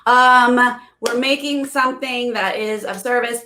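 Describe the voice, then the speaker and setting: A woman's voice: fairly high pitch, fairly even intonation, a little slow, pushed and bright, roomy sound. A woman playing as a contestant in a guessing game, thinking aloud as she puts casual questions.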